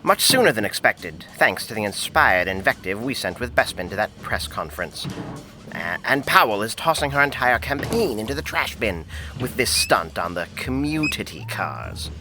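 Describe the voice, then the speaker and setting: A man's voice: lowish voice, sing-song, moderate pace, over music. A man playing a self-justifying, scheming media boss with grand ambitions, intense and self-important, in an audio drama. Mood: triumphant.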